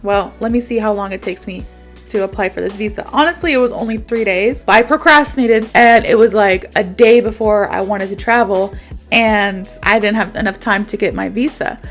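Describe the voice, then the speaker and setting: A young American woman teaching English slang, telling personal stories in a chatty, animated way full of quoted dialogue. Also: medium pitch, moderate pace, faint music behind. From United States. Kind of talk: casual storytelling lesson.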